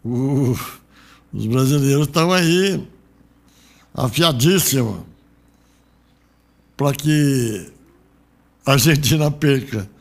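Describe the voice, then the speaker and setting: A man's voice: mid-range voice, slow pace, vocal fry, long pauses. A middle-aged man from Brazil hosting a local radio show, chatting loosely about football with frequent rambling asides. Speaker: radio host. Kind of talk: casual radio sports chat. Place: radio studio.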